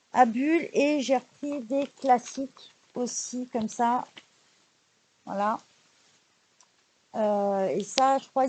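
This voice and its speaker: A woman presenting her recent craft purchases in a casual, chatty haul video, often pausing on fillers. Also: fairly high pitch, warm tone, slight background noise. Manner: chatty, many hesitation fillers and "donc voilà". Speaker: craft YouTuber showing purchases.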